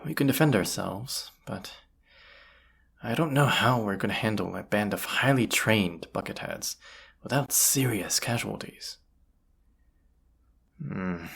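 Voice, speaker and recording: Actor doing a folksy bandit boss, real low and raspy, wry, talking right to you like an audio roleplay. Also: exaggerated voice. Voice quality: gravelly, husky low voice. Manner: folksy, conversational, hushed at times. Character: folksy bandit leader, wry, plain-spoken, planning a heist. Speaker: character voice actor. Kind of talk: immersive audio roleplay acting, addressing the listener.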